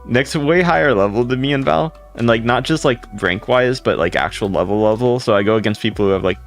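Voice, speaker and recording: A man with a deep voice chatting casually on a livestream, rambling and greeting viewers by name. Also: fairly quick, soft background music.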